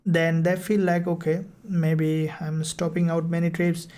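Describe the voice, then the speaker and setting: A woman hosting a casual live stream as a mentor, answering viewer questions in halting, repetitive phrasing. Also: fairly low pitch, flat delivery, mellow.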